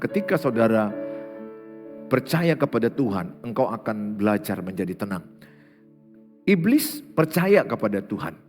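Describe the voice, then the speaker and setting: Earnest Indonesian pastor in a reverberant hall. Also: male voice, on the low side. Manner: earnest, repeats key phrases, slows down on prayers. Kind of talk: morning prayer sermon. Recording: long hall reverb with faint music. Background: soft instrumental music.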